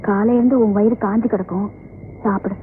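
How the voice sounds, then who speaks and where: An actress playing a poor village woman who gently scolds and coaxes her younger brother to eat. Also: mid-range voice, steady tone, fairly quick, slight background noise, close to an everyday voice. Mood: coaxing. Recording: tinny old film soundtrack with music.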